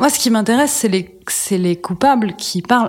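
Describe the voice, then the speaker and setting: A woman speaks over noticeable background noise. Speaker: author, dancer and singer. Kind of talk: casual interview. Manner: halting.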